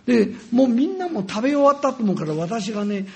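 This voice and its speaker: An older man telling a personal story in a sermon, animated and acting out scenes with sound words. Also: extremely high pitch, quick pace, creaky. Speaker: preacher.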